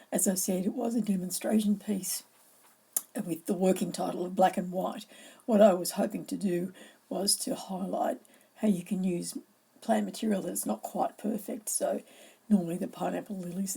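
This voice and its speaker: A middle-aged woman with a croaky voice, presenting an educational floral design talk in a measured, explanatory way. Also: medium pitch, dark tone.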